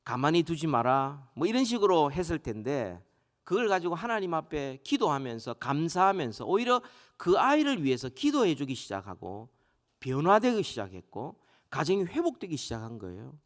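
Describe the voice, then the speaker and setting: A man preaching in a church with a fairly high, very animated voice that climbs and swells on the words he stresses. He slows right down for emphasis, then picks back up. The sound rings with the long reverb of a large sanctuary. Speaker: pastor. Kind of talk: sermon.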